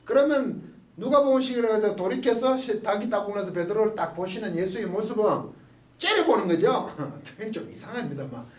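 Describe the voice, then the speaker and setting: A man giving a lively Bible study lecture, asking the class questions and acting out quotes. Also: high-pitched, a little fast. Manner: animated, asks the class questions, acts out quotes. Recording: roomy, mic at a distance.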